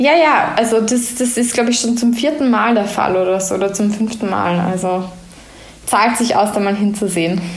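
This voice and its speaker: A woman speaks in a Viennese accent at a moderate pace, her fairly high pitch showing ordinary variation and her loudness very even. Audible room echo and noticeable background noise surround her voice. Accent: Austrian (Viennese). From Austria, Vienna. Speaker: podcast host and music journalist. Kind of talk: casual interview chat.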